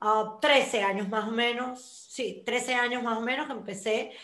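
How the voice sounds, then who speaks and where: A woman's fairly high voice carries through a room with a noticeable echo. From Venezuela, Lechería (Anzoátegui). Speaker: actress and comedian. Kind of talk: casual interview.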